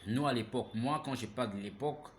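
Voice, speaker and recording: A man, giving an impassioned, preachy monologue that keeps turning to the listener with "hein?" and grows loud and heated. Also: medium pitch, fast talker, slight background noise. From Gabon. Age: 30s. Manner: preachy, repeats himself, asks listeners "hein?". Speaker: vlogger.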